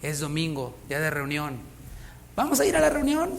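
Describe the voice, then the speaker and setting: A man's voice: fairly high pitch, very animated, moderate pace, gravelly, a little hiss or hum. A man preaching a sermon as pastor, speaking with emphasis and putting rhetorical questions to the congregation. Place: church in Houston.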